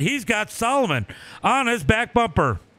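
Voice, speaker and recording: In a raised, projected voice with a bright, sharp tone, a man speaks at a moderate pace. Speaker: sim racing stream host and race caller. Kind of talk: live race commentary. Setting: live stream. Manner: casual, joking with chat.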